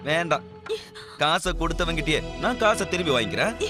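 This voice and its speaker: A man's voice: a little high, very animated, a little fast. A man acting a threatening moneylender villain in a dubbed film drama, menacing in manner. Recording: film soundtrack with loud music beneath.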